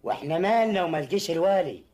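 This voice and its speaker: Indignant, quick-talking merchant. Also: male voice, high-pitched, lively intonation, a little mellow, distant mic. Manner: protesting. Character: indignant male merchant's partner. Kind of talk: historical film acting. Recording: echoey room, off mic.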